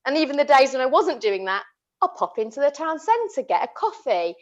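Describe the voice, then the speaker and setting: A woman's voice: sits high, big pitch swings, a little fast. A woman, talking earnestly and passionately, often restarting her sentences. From England. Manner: impassioned, earnest, many restarts. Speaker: podcast co-host. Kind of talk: casual chat. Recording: dull lo-fi audio.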